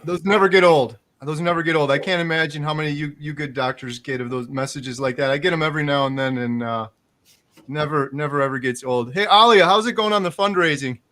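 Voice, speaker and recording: A man with a somewhat high voice hosts a live stream. He keeps it upbeat and laughs easily as he brings guests in. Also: fairly quick, sharp tone. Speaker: host.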